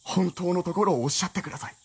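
妻である女性を厳しく問い詰める青年を演じる男性俳優。ラジオドラマの芝居。. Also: male voice, high-pitched, racing, darkish tone, breathy edge. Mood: indignant. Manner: agitated, pressing questions. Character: earnest young male writer's companion, indignant. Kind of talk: radio drama acting.

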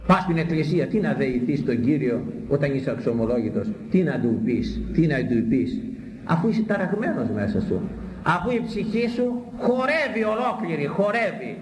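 A man preaching a sermon, repeating words for emphasis and swinging between high exclamations and low, grave phrases. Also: lively intonation. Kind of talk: sermon on a Bible passage. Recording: echoey hall, faint background noise.

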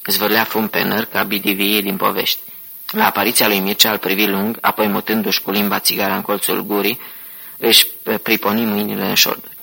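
A man narrating an audiobook in a steady, even storytelling manner. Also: on the low side, vocal fry, breathy edge, rough recording.

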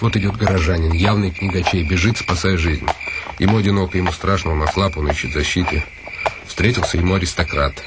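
A man's voice: low-pitched, heavy background noise, close to an everyday voice. A man acting a weary, ironic, brooding nobleman in a radio play, musing to himself and turning imperious with others. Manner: musing, self-questioning, mockingly grand when addressing others. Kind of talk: radio play acting, inner monologue and dialogue.

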